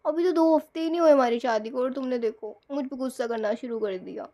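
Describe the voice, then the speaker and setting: A woman voicing a young newlywed husband who teases his wife and fishes for compliments in a soft, low, wheedling voice. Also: a little fast.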